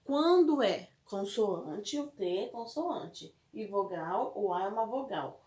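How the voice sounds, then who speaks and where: Slow, patient Brazilian woman teacher. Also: medium pitch, animated, a little mellow. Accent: Brazilian Portuguese. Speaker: primary school teacher. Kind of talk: recorded classroom lesson. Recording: echoey room.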